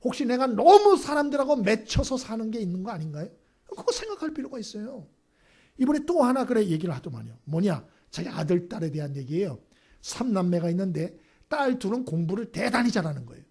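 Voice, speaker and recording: A high-voiced male pastor with a husky edge to his voice delivers a sermon in a church. His pitch swings widely as he tells stories and keeps checking in with the congregation. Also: sing-song, fairly quick, darkish tone. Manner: storytelling, often checks in with the congregation.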